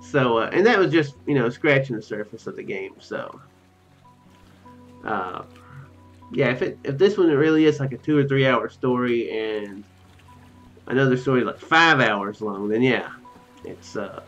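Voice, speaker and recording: A man's voice: medium pitch, lively intonation, unhurried, long pauses, fairly bright tone. Sleepy guy chatting about a game, kinda rambly and unsure, muffled mic w music behind. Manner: rambling, hesitant, tentative musing. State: tired, drowsy. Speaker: gaming video host. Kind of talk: casual game commentary to viewers. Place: small room at home.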